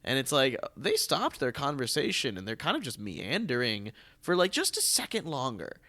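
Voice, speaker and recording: A man's voice: medium pitch, huge pitch swings, normal speed, sharp tone. A man hosting a casual theatre podcast, talking conversationally and often restarting his phrases. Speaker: podcast host, theatre producer.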